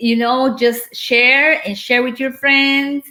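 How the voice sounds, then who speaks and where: A woman with a Spanish accent speaks at a fairly slow pace. Her voice is high-pitched, with a bright, sharp tone. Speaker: education program coordinator. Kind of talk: online class introduction.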